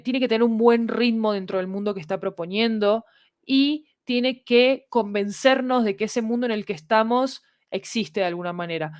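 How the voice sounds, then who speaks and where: A woman's voice: mid-range voice, no echo, studio quality. A woman, speaking as an interview guest and explaining ideas articulately, point by point. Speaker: interview guest, audio fiction creator.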